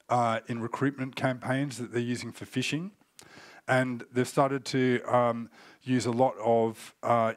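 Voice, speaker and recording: A man's voice: medium pitch, no echo, studio quality. Man with a cold giving a keynote. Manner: loose spoken presentation with fillers, explanatory. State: getting over a cold, coughing. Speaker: keynote speaker on cyber threat intelligence. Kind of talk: conference keynote talk. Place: indoor conference stage.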